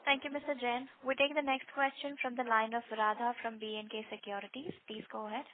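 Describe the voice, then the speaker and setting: A woman's voice: a little high, little pitch movement, fairly quick. A woman moderating a conference call in formal, scripted announcements. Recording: tinny phone line, faint noise.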